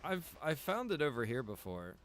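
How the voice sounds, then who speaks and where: A man's voice: medium pitch, very animated, moderate pace, fairly bright tone, a little hiss or hum. A man giving casual, rambling livestream commentary while gaming, repeating phrases for emphasis. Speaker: game streamer and roleplay server co-owner.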